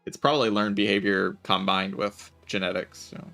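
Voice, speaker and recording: Raspy, gravelly laid-back male streamer. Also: fairly low pitch, a little fast, soft background music. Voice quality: raspy with vocal fry. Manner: relaxed, laid-back, chatty with filler "like". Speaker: game streamer. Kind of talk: casual chat while gaming.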